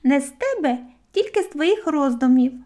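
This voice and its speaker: A woman's voice: high-pitched, sing-song, normal speed, dark tone, pitched above the performer's own voice. A woman voicing a cheerful, playful young female squirrel who teases kindly and speaks sensibly. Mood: teasing. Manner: teasing, giggly, sensible.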